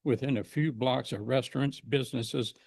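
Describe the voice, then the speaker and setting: A man in his seventies from the Pacific Northwest of the United States, with an American accent, delivers an earnest, emphatic prepared speech as a resident at a public meeting. His medium-pitched, darkish voice holds a steady tone at a moderate pace, with some vocal fry. Slight background noise is audible.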